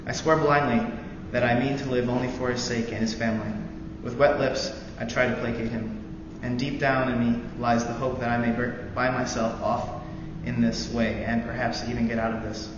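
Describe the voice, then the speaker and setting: A young American man, a student veteran, reading a novel passage aloud in earnest, after a halting introduction. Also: medium pitch. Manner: halting intro with many fillers, then steady earnest reading. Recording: roomy echoey hall, dull lo-fi sound, noisy.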